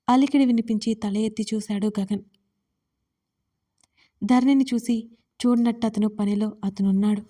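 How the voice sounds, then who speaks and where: A woman narrating a romance story in a calm, steady reading voice. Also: medium pitch.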